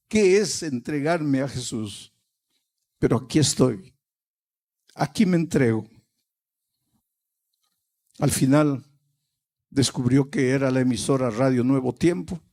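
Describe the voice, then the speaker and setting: A man preaching a sermon as a pastor, emphatic, rising in pitch and then dropping to a hush.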